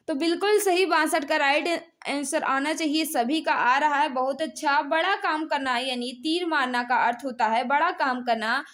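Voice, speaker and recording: A woman's voice: high voice, fairly bright tone. An Indian woman teacher running a live exam quiz, reading out questions and answers in a repetitive, instructional way and prompting students.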